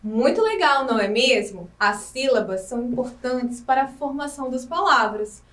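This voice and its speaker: A woman teacher giving a recorded lesson to young children. She talks slowly and clearly and keeps asking the pupils questions. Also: high voice, expressive, a bit bright, distant mic. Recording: echoey room, voice from off the mic.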